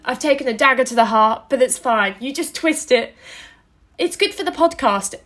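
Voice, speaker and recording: A woman co-hosting a casual sports podcast in a teasing, animated way. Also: high-pitched, moderate pace. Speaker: podcast co-host.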